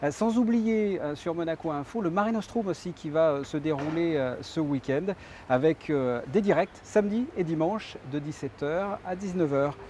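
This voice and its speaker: Chatty French news anchor. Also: male voice, fairly high pitch, normal speed, a little mellow, a little hiss or hum. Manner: chatty, hesitant with fillers. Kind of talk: studio news interview.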